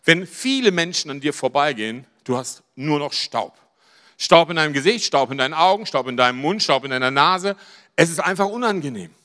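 Male preacher, high bright voice, dramatic sermon delivery that swings between loud and hushed. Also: animated, fairly quick. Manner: dramatic, rising to near-shouts on emphasized phrases and dropping low for asides.

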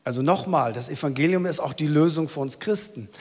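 A male pastor preaching a sermon in an earnest, pleading way, moving between loud exclamations and quiet, intimate passages. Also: on the high side, fairly quick, husky, in a large hall.

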